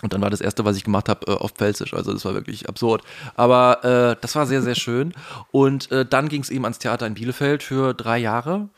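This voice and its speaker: A man from the Palatinate region of Germany with a faint Palatinate German accent, a voice actor speaking thoughtfully in a relaxed interview, pausing often with fillers. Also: medium pitch. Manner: thoughtful, hesitant, many fillers. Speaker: guest, voice actor. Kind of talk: casual conversational interview.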